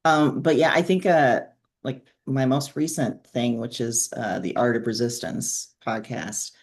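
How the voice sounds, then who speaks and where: A woman speaks at a slow, unhurried pace as a guest in a relaxed interview. Her delivery is informal and thoughtful, with a wry edge. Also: a bass voice. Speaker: author and podcaster, interview guest. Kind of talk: casual conversational interview.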